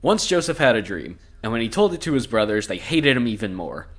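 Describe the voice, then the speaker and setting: A podcast co-host reads scripture aloud but keeps breaking off into crude jokes and frequent laughter. His mid-range voice swings widely in pitch, and he speaks briskly.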